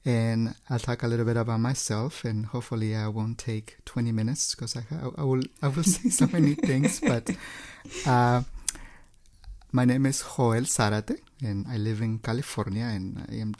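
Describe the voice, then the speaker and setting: A man's voice: medium pitch, fairly even intonation, moderate pace, darkish tone. A man from Mexico with a Mexican Spanish accent, a native Spanish speaker, telling his story politely and chattily, repeating words as he goes. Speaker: podcast guest. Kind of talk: casual interview.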